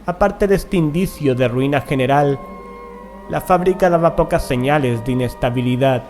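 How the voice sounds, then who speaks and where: A man reading a gothic horror tale as an audiobook narrator, in a measured, deliberate manner with dramatic pauses. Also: mid-range voice, darkish tone. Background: music.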